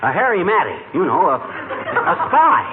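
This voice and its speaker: An actor playing a blustering, boastful middle-aged husband who talks in ungrammatical bluster, in 1940s radio comedy style. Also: male voice, high voice, huge pitch swings, normal speed, a crowd in the background, exaggerated voice. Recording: tinny old radio with clear hiss.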